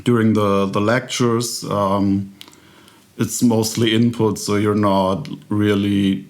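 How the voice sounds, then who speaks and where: A young man with a somewhat low voice explains his studies very slowly. He hesitates a lot, restarting phrases and filling gaps with "um". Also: little pitch movement. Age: young adult. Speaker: education student, interviewee. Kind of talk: casual interview answers.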